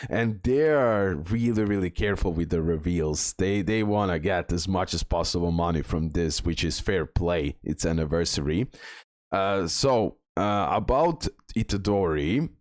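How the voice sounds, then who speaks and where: A man's voice: low-pitched, unhurried, a little mellow, dry recording, studio quality. A man giving casual game commentary as a video host, rambling and repeating words with many fillers.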